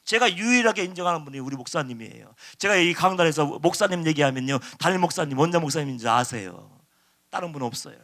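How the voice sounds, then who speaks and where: A man preaching a sermon as pastor, impassioned and dramatic, acting out shouted pleas. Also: fairly high pitch, expressive, quick pace.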